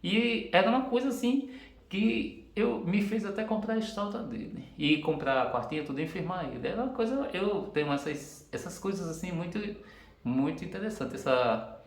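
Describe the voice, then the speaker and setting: A man's voice: high-pitched, expressive, moderate pace. A man vlogging casually from his living room in loose run-on sentences, often tagging on a "right?", recorded in an echoey room at home. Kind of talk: casual spiritual vlog.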